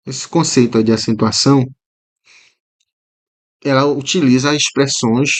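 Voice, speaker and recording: A Brazilian teacher with a Brazilian Portuguese accent walks through exam questions with commentary, explaining as he goes. He often checks in with "né?" and repeats words slowly to model their pronunciation. His voice sits in the mid range.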